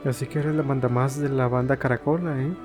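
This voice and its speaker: A man's voice: medium pitch, fairly even intonation, fast, over loud music. A man, a gaming youtuber tossing in joking, slangy asides during casual let's play commentary.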